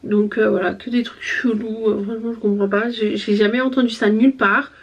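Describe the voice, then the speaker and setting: A young woman, chatting casually while she gets ready, rambling with many fillers, her voice a bit hoarse after being ill. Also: fairly high pitch, steady tone, brisk, muffled recording. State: slightly hoarse voice after illness. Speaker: vlogger.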